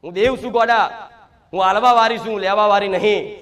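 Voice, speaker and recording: His voice sits high and a bit bright, and his pace is fairly quick. The man is a spiritual medium speaking as the goddess, preaching an emphatic devotional sermon in the first person as a divine mother and asking her devotees rhetorical questions.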